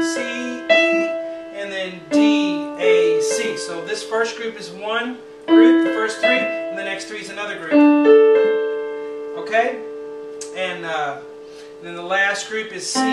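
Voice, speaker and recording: A man with a high voice teaching a piano part step by step, patiently counting the beats and humming the notes. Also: takes it slowly, recorded from a distance. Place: room with a piano. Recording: roomy, from off the mic, loud piano.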